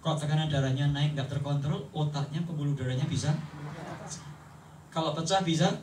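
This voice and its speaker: A man's voice: on the high side, steady tone, fairly quick, a little mellow, a little hiss or hum. A man preaching a chatty, humorous sermon as pastor, mixing in English phrases. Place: church sanctuary. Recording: echoey church from far off.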